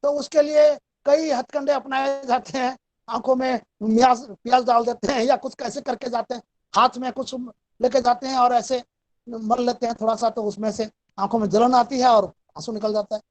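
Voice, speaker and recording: A woman's voice: fairly high pitch, fairly even intonation, normal speed, a little mellow. A woman lecturer giving a methodical, explanatory talk in a recorded online class.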